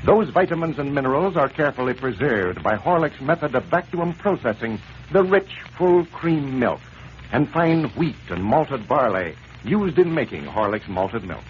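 A man announcing on a 1930s radio show, with a smooth, emphatic sales delivery and a recap of the story. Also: medium pitch, sing-song, normal speed. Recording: old lo-fi radio transcription with hiss.

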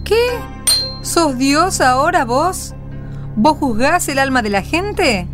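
A woman with an Argentine accent acting a hesitant but loyal female disciple in a radio drama, protesting haltingly. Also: sits high, expressive. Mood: indignant. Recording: clear music behind.

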